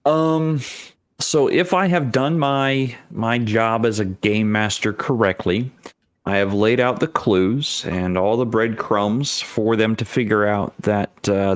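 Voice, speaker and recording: Male game master, low voice, close dry sound, deliberate and wordy, casual discussion. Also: dry recording. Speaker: tabletop game master, panelist. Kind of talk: casual panel discussion of role-playing games.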